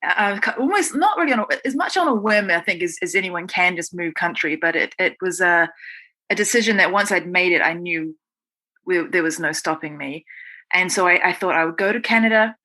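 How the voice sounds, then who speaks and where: A woman's voice: fairly low pitch, animated, brisk, pushed and bright. A woman with a New Zealand accent, telling her own story conversationally as an interview guest. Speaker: guest, writer.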